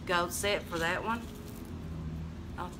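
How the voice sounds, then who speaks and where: A woman in her fifties, a little hoarse, chatting to viewers as she shows jewelry pieces and reads out their numbers. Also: fairly low pitch, slow pace. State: losing her voice. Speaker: jewelry seller on a live stream. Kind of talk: casual live selling chat. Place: small home room with a jewelry display wall. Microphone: phone camera close up. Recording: noisy phone live stream.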